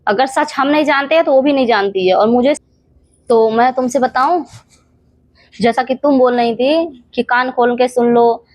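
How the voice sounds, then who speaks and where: A woman's voice: fairly high pitch, a little mellow, dry recording. A young woman vlogging, scolding an absent rival straight to camera with rhetorical questions and repeated challenges. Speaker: reaction channel creator. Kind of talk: heated reaction monologue to camera.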